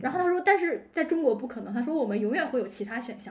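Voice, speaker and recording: The woman's intonation is lively. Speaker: podcast host. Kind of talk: casual chat.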